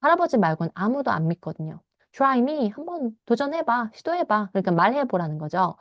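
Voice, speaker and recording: A woman's voice: a little high, sing-song, dry recording. Korean female English teacher, read-aloud lesson, dry close lo-fi recording. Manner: reads English lines slowly, then explains in quick Korean. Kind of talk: bilingual read-aloud lesson, explaining a novel.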